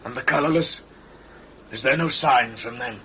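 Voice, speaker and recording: An actor playing a stern, commanding tribal chief who speaks in solemn, declamatory, archaic language in an audio drama. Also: male voice, mid-range voice, normal speed, bright, forceful tone, slight background noise, rough recording. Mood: measured.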